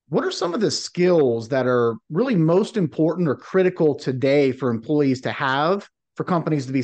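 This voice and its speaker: A male podcast host asking long, carefully framed questions in a measured way. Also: on the high side, a little mellow. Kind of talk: interview questions.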